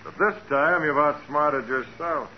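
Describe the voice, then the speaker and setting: An actor playing a cold, gloating killer with a menacing, mocking delivery in a 1940s radio crime drama. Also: male voice, fairly high pitch, unhurried, lightly acted. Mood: gloating threat. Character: cold, gloating male killer and crooked businessman with a gun. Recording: muffled, hissy 1940s radio recording.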